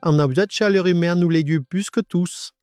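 A man in his nineties gives a halting personal testimony in a radio interview. His voice is disguised by an AI voice changer. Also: high voice, a little mellow, no room sound, studio quality. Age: 90s. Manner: halting, with many restarts and repetitions. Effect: voice altered by an AI voice changer.

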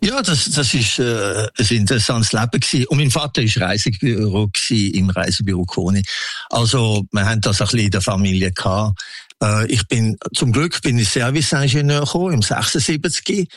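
Low-voiced Swiss German man in his seventies. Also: a little fast, no room sound. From Switzerland. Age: 70s. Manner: rambling storyteller who lists many places. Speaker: interviewee, Swiss emigrant. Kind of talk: casual radio interview.

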